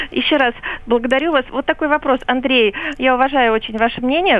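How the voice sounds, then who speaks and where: High-pitched woman at a moderate pace, ordinary pitch variation, noticeable background noise. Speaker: caller, medical student. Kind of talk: radio call-in question. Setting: phone call. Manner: polite, formal.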